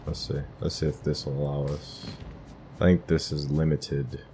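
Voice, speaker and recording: A man's voice: rumbling low, level tone, moderate pace, mellow, soft background music. A man giving casual gameplay commentary, thinking aloud as he plays. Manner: thinks aloud, musing to himself. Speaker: gaming host narrating a playthrough.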